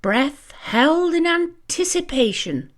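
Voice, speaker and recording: A woman narrating a children's storybook in a theatrical, expressive read-aloud style. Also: high-pitched, slow.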